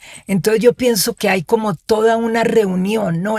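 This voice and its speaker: A woman's somewhat breathy voice comes through on a very clean recording with a silent background. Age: 70s. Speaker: writer and sister of a late author. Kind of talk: interview. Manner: halting.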